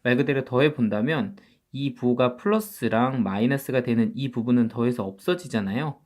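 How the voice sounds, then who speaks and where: Man talking through a math lesson. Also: medium pitch. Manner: explains step by step, often asks and answers himself. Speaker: math tutor. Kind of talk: spoken math lecture.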